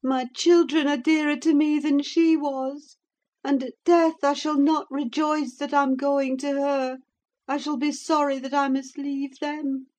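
Dying young woman, feverish, vindictive, high-pitched, anguished. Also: little pitch movement, a little slow, a little mellow. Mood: bitter anguish. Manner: shrill, anguished, accusing.

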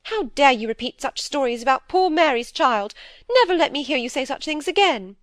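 A woman voicing a severe, brisk elderly spinster who speaks in a commanding, impatient way. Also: a little high, big pitch swings, no echo, pitched above the performer's own voice. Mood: indignant.

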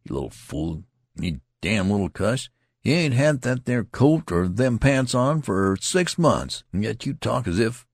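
A man reading aloud voices a tall soldier with an easygoing drawl that turns to gruff scolding. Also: deep voice, lively intonation, normal speed, no room sound, clean studio sound, full character voice. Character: tall older male soldier, calm but gruff.

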